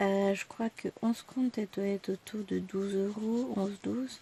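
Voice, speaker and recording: A soft-spoken, somewhat breathy woman with a dark, mellow tone and medium pitch speaks at a moderate pace, recorded dry and close with no echo. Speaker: craft YouTuber. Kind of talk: casual chat during coloring tutorial. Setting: at home. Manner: casual with many fillers.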